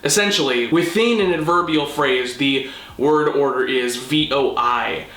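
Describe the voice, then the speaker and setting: Casting: male explainer host, mid pitch, forceful bright tone, precise teaching delivery, echoey room. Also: measured pace. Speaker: host of a language explainer channel. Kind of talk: explanatory scripted narration with casual asides. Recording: roomy, echoing indoor sound.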